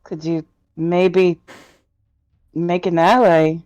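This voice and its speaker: A woman's voice: fairly low pitch, steady tone, extremely slow, a little mellow, dry recording, highs cut off. A woman playing a tabletop game, tossing out ideas tentatively. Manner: tentative, wondering aloud. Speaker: player. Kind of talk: casual tabletop play.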